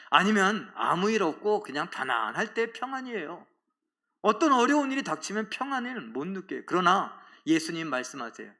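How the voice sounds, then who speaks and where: A man's voice: sits high, sharp tone. A male pastor preaching a Sunday sermon, asking rhetorical questions and answering them himself. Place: church.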